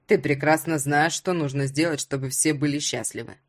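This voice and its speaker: A woman's voice: deep voice, fairly even intonation, moderate pace, voice pushed down. Woman putting on a smug tipsy father. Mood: mocking. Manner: mocking, drawling.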